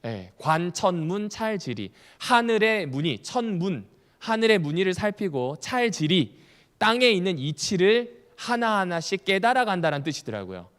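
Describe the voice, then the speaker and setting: Lively pastor teaching in an echoing hall. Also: male voice, sits high, moderate pace. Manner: asks the audience questions and repeats key points; lively, with humorous asides. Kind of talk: Bible study lecture. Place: church hall. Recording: long hall reverb.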